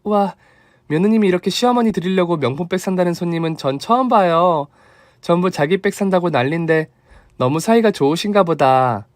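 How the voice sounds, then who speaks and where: A man's voice: high-pitched, expressive, brisk, dry recording, studio quality, pitched above the performer's own voice. A man voicing a chatty, cheerful female shop clerk. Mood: surprised.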